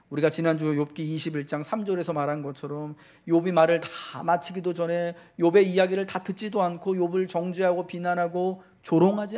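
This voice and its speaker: A male pastor delivering a Sunday sermon, talking straight to the congregation with repeated questions and swelling, slowed-down emphasis on key words. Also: a little high, darkish tone. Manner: fervent preaching that slows and swells for emphasis.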